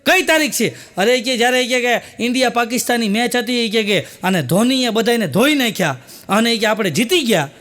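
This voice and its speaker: A man's voice: very high-pitched, a bit bright. A man doing stand-up, piling up repeated phrases toward a punchline. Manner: rapid rhythmic repetition building to a punchline. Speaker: stand-up comedian. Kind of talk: live stand-up storytelling.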